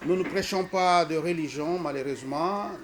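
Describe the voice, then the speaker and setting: A man's voice: a little high, normal speed. A middle-aged man from Congo with a Congolese French accent, presenting a Christian school in a formal, earnest address full of hesitant fillers. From Congo-Kinshasa. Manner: earnest, preacherly emphasis. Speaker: school representative. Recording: faint background noise.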